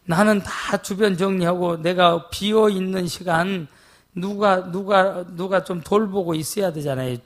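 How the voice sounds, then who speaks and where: 부흥회에서 설교하는 남자 목사로, 이야기를 하며 대화를 흉내 내고 "예?" 하고 회중에게 자주 묻는다. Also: male voice, fairly high pitch. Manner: animated, acts out dialogue, often asks the congregation "예?". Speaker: pastor. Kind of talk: revival sermon with storytelling.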